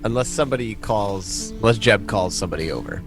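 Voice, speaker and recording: A man's voice: on the low side, expressive, brisk, music in the background. A man casually narrating a tabletop game as game master, in informal, sweary language.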